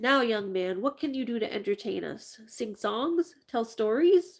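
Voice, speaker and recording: A woman's put-on character voice, fairly high-pitched, at a moderate pace. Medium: read story. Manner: pompous, imperious.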